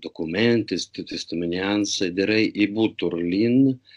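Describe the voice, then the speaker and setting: A man speaks with a Russian accent at a fairly low pitch. The background is quiet. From Russia, St Petersburg. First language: Russian (speaking Italian). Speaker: historian; guest. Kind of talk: interview. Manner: halting. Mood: calm, reminiscing. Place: home room. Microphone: video call.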